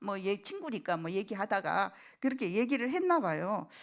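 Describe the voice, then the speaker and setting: Her fairly high voice rising and falling in lively intonation, a woman speaks at a moderate pace. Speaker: pastor. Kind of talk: sermon.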